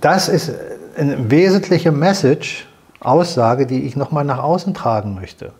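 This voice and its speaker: Earnest older man, dark husky voice. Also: on the high side, lively intonation, unhurried. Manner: earnest, explanatory, repeats himself while searching for words. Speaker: host. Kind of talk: salon conversation. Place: living room with fireplace, indoors.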